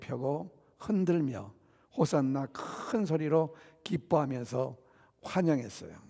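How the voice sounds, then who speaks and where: Here a man speaks at a very slow pace. His fairly high pitch comes with a dark, mellow tone. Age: 70s. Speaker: pastor. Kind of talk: sermon.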